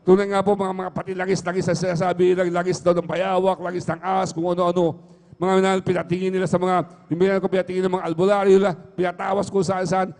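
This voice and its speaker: High-voiced guy rattling off his church testimony quick, kinda monotone, long echo from the church hall. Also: creaky. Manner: earnest, repeats "mga minamahal" constantly. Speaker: church member giving testimony. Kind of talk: spoken testimony in worship service. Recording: livestream with long hall reverb.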